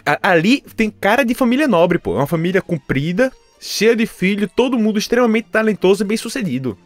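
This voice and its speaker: A man from Recife, co-hosting a podcast in a casual, animated, joking way. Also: high voice, a little fast, dry recording, faint music behind. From Recife, Brazil. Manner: animated, joking, bursts into laughter. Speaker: podcast co-host.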